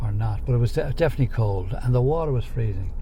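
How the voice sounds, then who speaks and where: A man's voice: mid-range voice, animated, fast talker. A man in his eighties with a Dublin Irish accent, reminiscing casually in a hesitant, rambling, agreeable way. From Dublin, Ireland. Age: 80s. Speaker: interviewee looking back on his life. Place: inside a moving car. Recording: noisy car interior, dull sound. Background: loud road and engine noise.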